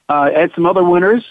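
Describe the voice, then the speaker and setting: Slightly hoarse man on a tinny phone line. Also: sits high, dry recording. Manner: halting, full of uh fillers, enthusiastic about winners. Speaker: radio show host. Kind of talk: horse racing talk radio. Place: at home on a farm.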